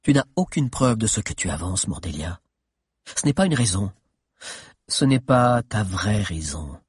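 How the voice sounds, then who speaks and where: A man with a husky voice voicing a calm, cautious young tribal chief who speaks in a measured, reasoning way. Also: no echo, studio quality, exaggerated voice. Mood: skeptical. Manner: measured, reasoning, low and quiet.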